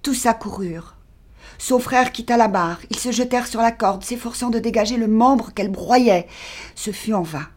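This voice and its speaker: Reading a short story aloud with dramatic flair, this woman stays measured and sinks nearly to a whisper when the material turns grim. She has a fairly high, slightly mellow voice.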